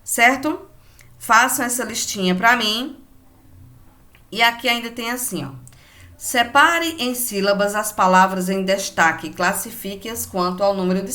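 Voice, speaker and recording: A woman's voice: medium pitch, a bit bright. A woman teacher with a Brazilian Portuguese accent, patiently giving a remote lesson to children and explaining each step in an affectionate way.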